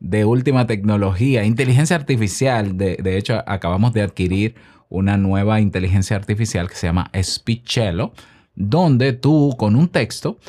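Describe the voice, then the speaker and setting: Male podcast host from the Republic, slightly low voice, chatty solo monologue that pitches his own products. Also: darkish tone. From Dominican Republic. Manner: chatty and self-promoting, with rhetorical questions.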